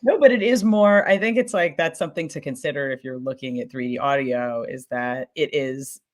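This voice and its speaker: A woman's voice: rumbling low, normal speed. A woman talking casually as a podcast producer in a discussion, effusive and emphatic, giggly and rambling as she goes.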